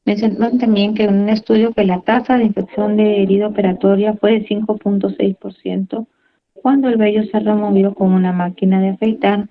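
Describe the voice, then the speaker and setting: A woman's voice: mid-range voice, flat delivery, fairly quick, highs cut off. A woman giving a medical lecture, reading from slides and then explaining in her own words with fillers and tag questions.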